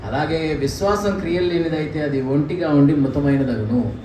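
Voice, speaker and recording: A man's voice: fairly high pitch, normal speed. A man preaching a sermon in a church, speaking animatedly with rhetorical questions and acted quotes. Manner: animated, mimics scripture voices, rhetorical questions. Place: church hall. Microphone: handheld mic. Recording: echoey church room, distant mic, faint noise.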